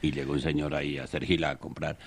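A man's voice: very deep voice, little pitch movement, quick pace, gravelly, slightly rough. A man telling jokes on a radio comedy show, rambling through the story and laughing at his own punchlines.

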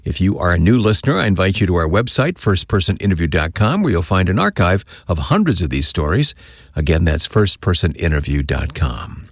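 Low husky guy hosting a radio interview, swings his pitch a lot, laughs along with the guest. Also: sing-song, fairly quick, dry recording, studio quality. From Michigan. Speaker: interview show host.

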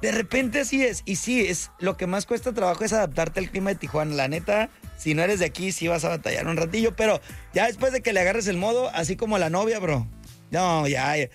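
Upbeat high-voiced radio host. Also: male voice, animated, a little fast, soft background music. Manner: chummy, slangy, upbeat. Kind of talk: casual radio chat. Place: radio studio.

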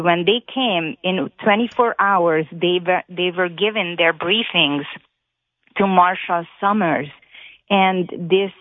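A woman's voice: fairly low pitch, dry recording. Hungarian woman calling in by phone. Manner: earnest, halting with many fillers. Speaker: caller. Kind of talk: call-in radio talk. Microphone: telephone. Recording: tinny phone line.

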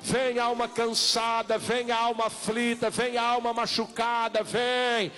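Male Brazilian evangelical pastor, high-pitched voice, insistent and repetitive altar-call delivery with drawn-out words. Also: monotone, fairly bright tone. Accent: Brazilian Portuguese.

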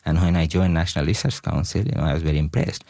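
A man's voice: rumbling low, steady tone, quick pace, warm tone. A man, a scientist speaking as a radio interview guest, earnest and full of "you know" fillers. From Bangladesh. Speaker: scientist, event organizer.

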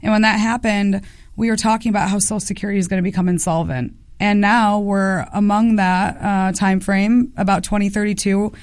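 A woman's voice: medium pitch, level tone, brisk, darkish tone, no room sound, studio quality. A woman in her thirties, a congressional candidate, answering policy questions in a radio interview with assertive talk. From United States. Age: 30s.

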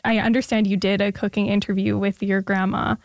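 A woman's voice: mid-range voice, little pitch movement, brisk, creaky, no echo. Woman host in dry studio sound. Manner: friendly, conversational with some fillers. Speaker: radio host. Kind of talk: interview.

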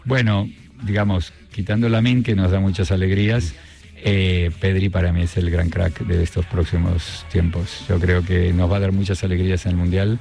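A middle-aged man with an Argentine Spanish accent speaks in a low, gravelly voice. He talks in a relaxed, halting way, restarting phrases as he thinks. Faint music plays behind him. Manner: hesitant, many restarts and fillers. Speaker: guest. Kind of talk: casual interview chat.

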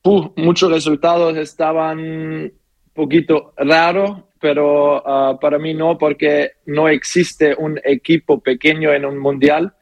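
This is a young man taking interview questions, his speech unhurried and full of pauses as he reaches for words in a language not his own. The sound is dry and close, with no room around it. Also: fairly high pitch, flat delivery, dry recording, muffled recording. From Austria. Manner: halting non-native speech, many pauses and fillers. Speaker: footballer guest. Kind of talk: phone interview answers.

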